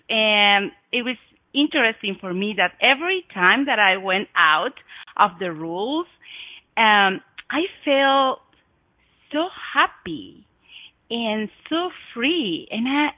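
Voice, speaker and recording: A woman's voice: fairly high pitch, no echo. A middle-aged woman from Mexico with a Mexican Spanish accent, hosting her own show and telling her story to listeners with effusive, gasping emphasis. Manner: effusive, breathy gasps, swooping emphasis. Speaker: podcast host. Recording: dry phone-like audio.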